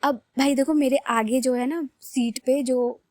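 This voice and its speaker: A young woman talking in a high, bright voice. She rambles casually and often laughs at herself, like chatting with friends. The recording is dry and close, with no echo. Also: steady tone, a little slow. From Uttar Pradesh, India. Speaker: storyteller. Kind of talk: casual storytelling vlog.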